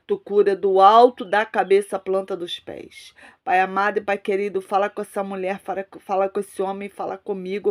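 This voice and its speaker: A woman pastor with a Brazilian accent and a cold, speaking in an emphatic, devotional preaching style with repeated exhortations. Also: mid-range voice. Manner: emphatic, repetitive religious exhortation. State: has a cold and allergy. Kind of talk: fervent prayer, preaching and scripture reading.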